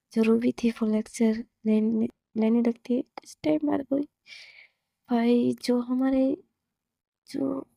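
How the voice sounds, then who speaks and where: A woman telling a story in a loose, chatty way, her voice gravelly and mellow, a little higher than most. It is recorded close and dry, with no room sound. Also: dry recording. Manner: narrates plainly, slips into quoted dialogue, loose fillers. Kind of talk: casual storytelling narration.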